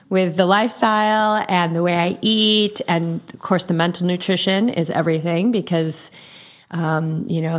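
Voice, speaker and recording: A woman in her fifties hosting a casual podcast interview, effusive and quick to laugh. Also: on the low side. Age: 50s. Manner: warm, effusive, laughs easily. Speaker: podcast host.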